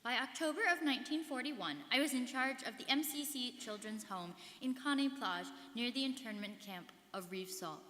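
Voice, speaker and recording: A young woman with a bright, mid-pitched voice plays a resolute alumna recounting her trials. She reads from a script, firm and measured, in a strongly echoing hall. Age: young adult. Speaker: student performer in a dramatic reading. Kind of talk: scripted first-person dramatic reading. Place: large hall. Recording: very echoey reverberant hall.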